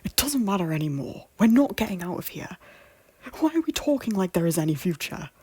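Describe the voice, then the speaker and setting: A woman acts as a young king sunk in bitterness and despair. The voice is dark and breathy, recorded very dry. He broods cynically, a wounded royal in a theatrical audio drama. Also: on the low side, sing-song, a little fast, dry recording. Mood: bitter, weary. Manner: brooding, swings between muted and outbursts. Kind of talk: audio drama acting of a Shakespeare-style story.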